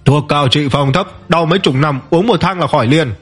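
A man voicing a boastful street medicine peddler hawking his cure slowly, husky and pitched up. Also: a bit bright, faint music behind.

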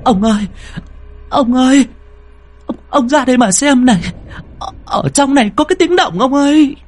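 A man's voice: very high voice, expressive, voice pushed up. A man voicing a grieving middle-aged mother who wails and sobs over her dead daughter in a ghost story. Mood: frightened. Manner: wailing, sobbing, drawn-out cries. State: crying. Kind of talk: storybook voice acting.

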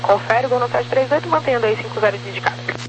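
An air traffic controller with a Brazilian accent gives clipped, procedural clearances over the radio. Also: mid-range voice, fast talker. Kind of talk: radio callout of aviation clearances. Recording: noisy humming air-band radio transmission.

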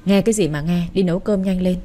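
A bossy middle-aged mother who snaps orders at her daughter, brusque and mellow-toned, as a woman narrator plays her. Her scolding is short and sharp in wording. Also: on the low side, quick pace, natural voice.

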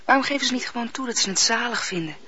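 A sharp-tongued young maid. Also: female voice, fairly high pitch, animated. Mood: scornful. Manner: brisk, scolding, impatient. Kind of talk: radio play acting. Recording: dull lo-fi old radio recording.

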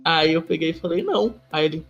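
A man's voice: on the high side, fast, highs cut off, loud music behind the voice. A young man co-hosting a podcast, telling funny stories in slangy casual chat and laughing as he goes. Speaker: podcast co-host.

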